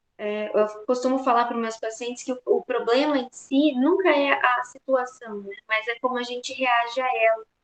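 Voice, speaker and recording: A high-pitched woman talks with hardly any pauses, ordinary pitch variation and big swings in loudness, in a dry, close sound with no echo. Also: moderate pace. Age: 20s. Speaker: clinical psychologist. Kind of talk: career talk to students. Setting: online video event. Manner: hesitant, many fillers.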